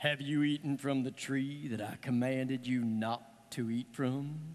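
A man performs a put-on character voice in a booming delivery. His pitch sits at a medium level. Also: moderate pace. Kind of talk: stern, commanding. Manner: scary, booming.

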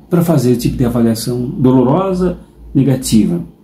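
Speaking at a fairly slow pace with very wide pitch swings, a man is heard with audible room echo and light background noise. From Brazil. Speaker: pastor and online commentator; pastor, online commentator. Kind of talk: pastoral counseling talk to camera. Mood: earnest, grave. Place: home room.

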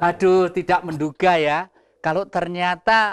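A man with a Javanese accent, speaking fairly slowly against a quiet background. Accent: Javanese-accented Indonesian. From East Java, Indonesia. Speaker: talk show host. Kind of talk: talk show. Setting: studio. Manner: formal. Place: studio.

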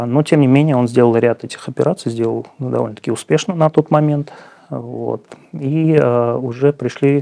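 Ordinary pitch variation runs through a man's speech, which moves at a moderate pace. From Armenia, Yerevan, then Moscow. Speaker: cardiac surgeon; guest. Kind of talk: interview. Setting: studio. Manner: hesitant, many filler sounds. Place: studio. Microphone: lapel.

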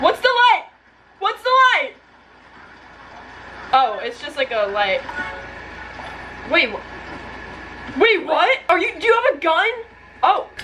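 A raised, projected voice rides over music in the background. It moves at a fairly slow pace with very wide pitch swings. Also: woman. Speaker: gaming creator. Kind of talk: casual gameplay chat. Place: home room.

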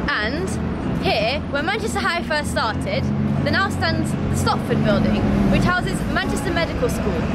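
Loud background noise fills a dry recording with no echo. A woman speaks at a moderate pace. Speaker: presenter. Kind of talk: documentary presentation to camera. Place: street. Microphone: phone near.

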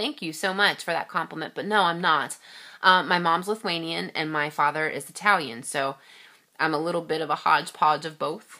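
A woman's bright, sharp voice at a fairly quick pace against a quiet background. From Pennsylvania. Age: 30s. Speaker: couponing YouTuber. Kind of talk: casual Q&A vlog. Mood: friendly, animated. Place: home room. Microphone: phone near.

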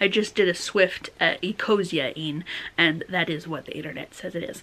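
A woman's fairly low voice with vocal fry, at a moderate pace with ordinary pitch variation. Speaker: vlogger. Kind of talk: casual vlog chat. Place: home room.

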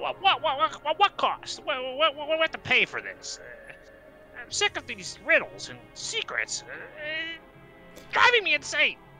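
Over clear music in the background, a high-pitched voice moves at a fairly slow pace with long, frequent pauses. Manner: impatient, exasperated.

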